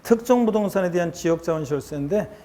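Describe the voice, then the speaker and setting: A man's voice: high-pitched, lively intonation, quick pace, dark tone. A middle-aged man teaching an exam prep lecture, chatty and repetitive, often turning to his students. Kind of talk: recorded online lecture. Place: lecture studio.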